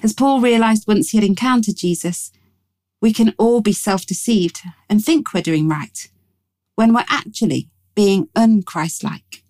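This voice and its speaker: A woman reading a scripted Christian devotional in a measured, reflective and reverent way. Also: medium pitch, mellow. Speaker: devotional reader. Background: music behind the voice.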